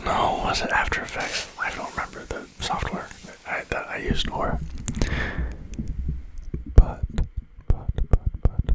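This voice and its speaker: A man whispering casual, rambling ASMR chat close to the microphone, breathy and hesitant, often repeating words and phrases for tingles. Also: rough recording. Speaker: ASMR video creator.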